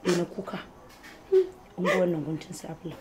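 A woman's voice: lowish voice, little pitch movement, fast talker, heavy background noise, close to an everyday voice. A woman with a Nigerian Hausa accent playing a kindly, placating woman of a household in a TV drama. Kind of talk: TV drama acting. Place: open concrete courtyard.

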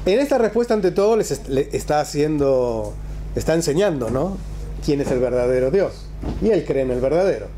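Here a man's fairly high, mellow voice moves at a moderate pace with lively intonation. As a rabbi, he talks through a religious text conversationally, leaning on rhetorical questions and repeating points for emphasis. Slight background noise fills the small indoor classroom.

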